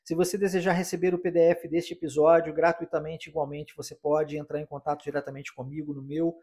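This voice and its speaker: A Brazilian man hosting a podcast English lesson, explaining in Portuguese and slowly repeating English phrases to practise. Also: on the high side, little pitch movement, a little mellow, breathy edge. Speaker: English teacher and podcast host.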